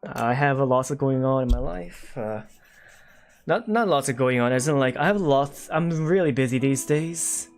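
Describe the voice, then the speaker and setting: A man's voice: mid-range voice, moderate pace, soft background music. A man in his twenties on a casual livestream, chatting with viewers and reading their comments. He rambles, with many fillers and self-corrections. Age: 20s. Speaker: streamer.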